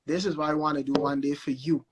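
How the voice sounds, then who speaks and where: A man with a Guyanese accent talking as the guest in a casual live-stream interview, animated and repeating himself as he builds his points. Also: on the high side, fast talker, background noise. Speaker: guest, record label founder.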